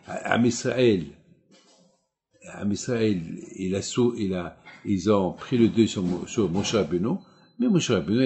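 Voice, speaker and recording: Rabbi guy preaching, dark mellow voice, keeps repeating and asking where's the problem. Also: medium pitch, vocal fry. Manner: repetitive, emphatic rhetorical questions. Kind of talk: sermon.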